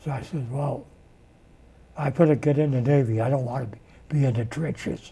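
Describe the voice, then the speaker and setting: A man's somewhat breathy, dark and mellow voice with an American accent, fairly high-pitched, fairly even in intonation, at a moderate pace. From western Massachusetts. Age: 90s. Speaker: war veteran. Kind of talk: interview. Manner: halting.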